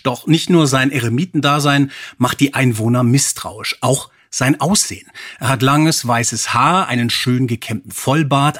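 Man, mid-pitched, husky voice, podcast host, presenter-style delivery. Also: fairly bright tone. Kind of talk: upbeat podcast presenting and scripted reading.

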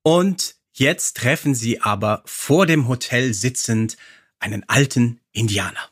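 A man's voice: medium pitch, measured pace, no echo. Dry-sounding male podcast co-host. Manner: informal, conversational. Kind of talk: casual recap chat.

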